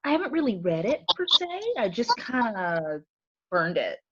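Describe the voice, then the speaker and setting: A woman's voice: mid-range voice, very animated, normal speed, a bit bright, husky. A woman playing a young college friend in a comedy sketch, offhand, blunt and falsely encouraging. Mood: awkwardly blunt. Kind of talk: staged reading of comedy sketch. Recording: dull lo-fi video-call audio.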